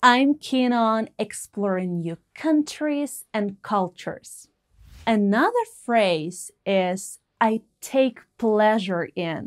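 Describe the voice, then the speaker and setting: A woman's fairly high-pitched voice with lively intonation at a very slow pace, against a quiet background. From Belarus. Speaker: English teacher. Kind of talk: language lesson narration. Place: home room. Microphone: lapel.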